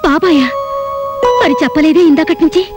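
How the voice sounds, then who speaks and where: An actress playing a devoted, emotional wife who pleads melodramatically, in film dialogue over music. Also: female voice, sits high, a little fast, natural voice.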